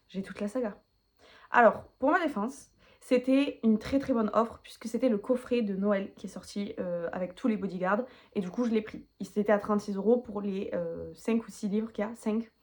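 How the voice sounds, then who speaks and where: A woman vlogging casually about books she owns but has not read, chatty and self-mocking, rambling with many asides. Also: mid-range voice. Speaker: book vlogger. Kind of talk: casual chat to camera.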